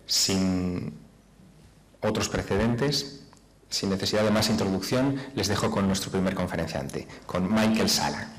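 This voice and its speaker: Conference host, man, lower voice, measured and formal introduction.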